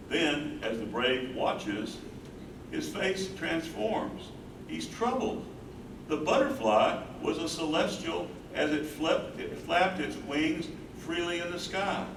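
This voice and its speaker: Man acting earnest young student, distant and roomy. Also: on the high side. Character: earnest, smitten young male college student in the 1950s. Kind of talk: staged play reading. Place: indoor venue at a live staged reading. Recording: roomy, distant stage recording with clear noise.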